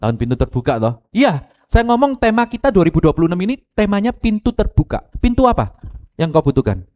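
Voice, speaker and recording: A middle-aged man with an East Javanese accent preaching an animated sermon, speaking straight to the congregation. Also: sits high, brisk. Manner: animated, addresses congregation directly, mixes Javanese phrases. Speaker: pastor. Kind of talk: lively sermon with acted quotes.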